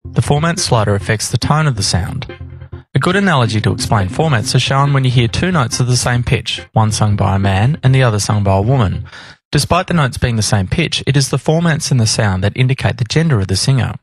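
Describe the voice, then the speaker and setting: A man's voice: medium pitch, expressive, brisk. Man narrating a tutorial over music. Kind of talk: scripted instructional narration.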